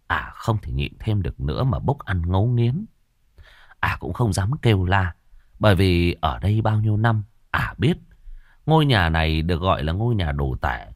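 A man narrating a horror story in a dramatic, expressive storytelling style. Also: fairly low pitch, dry recording, clean studio sound. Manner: expressive, swinging dramatic delivery.

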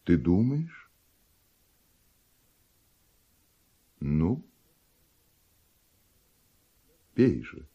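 An actor playing a brooding, envious, tormented composer, speaking verse gravely and deliberately in a classic Russian radio drama. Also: male voice, deep voice, very animated, highs cut off, heavily acted. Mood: cold. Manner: grave, weighty, deliberate theatrical delivery.

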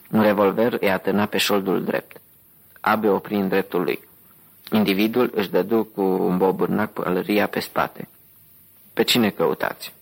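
A male audiobook narrator reads in a steady, even way. His voice is deep and husky, with a gravelly texture. The pitch stays flat and level throughout. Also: rough recording.

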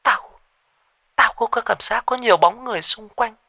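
In a ghost story, a man voices a terrified young woman who stammers and pleads breathlessly and panicky over the phone. He pitches his voice above his natural range, making it somewhat high, pushed, and bright, and speaks a little fast. The recording is dry and studio quality.

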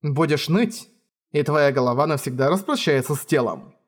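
Deadpan stern swordswoman, read by a man, blunt and cold, a bit higher voice. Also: normal speed.

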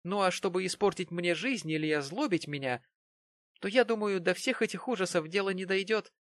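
A man's voice: high-pitched, a little fast, a bit bright, no echo, voice pushed up. A man reading aloud and voicing a willful, teasing young woman who mocks and bosses her suitor. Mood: coy. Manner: mocking, giggly and bossy.

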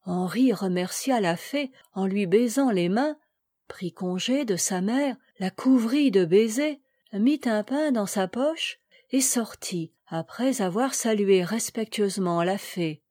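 A woman reading a classic children's tale aloud in a measured, expressive storytelling manner. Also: mid-range voice, no echo, studio quality. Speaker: reader.

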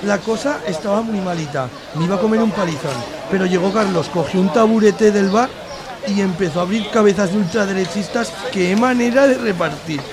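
High-pitched excitable barfly, played by a man, comic radio soap, crowd noise around him. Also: brisk, lightly acted. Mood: excited, indignant. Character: excitable male bar regular, brawling storyteller. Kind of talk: amateur radio soap comedy.

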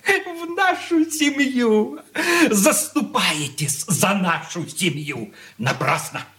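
A man's voice: sits high, lively intonation, slow pace, bright, forceful tone, heavily acted. An actor playing a bitter, sarcastic young man in a radio play, spiteful and mocking. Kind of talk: 1980s radio play acting.

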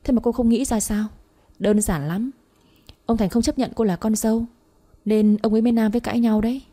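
A woman's voice: on the high side, steady tone, a little fast, mellow, natural voice. A woman doing a sneering rich older lady. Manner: sneering, mocking. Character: scornful rich older woman, future mother-in-law.

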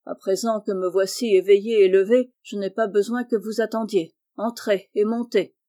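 A woman reading the part of a gruff, grey-haired, heavyset porter who grumbles and scolds. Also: mid-range voice, steady tone, normal speed, warm tone, natural voice. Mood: grumbling.

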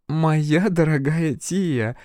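A male reader voicing a shrewd older dowager duchess, gracious and gently commanding. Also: fairly high pitch, drawn-out words, no room sound, studio quality, voice pushed up. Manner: warm, grand, gently commanding.

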